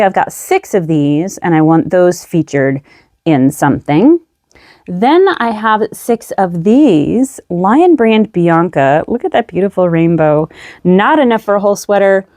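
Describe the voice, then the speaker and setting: Seated at a table, a craft vlogger chats casually about her yarn in show-and-tell fashion, slightly breathless and full of ums. Her mid-range voice is a little mellow, and the studio-quality recording has no room sound.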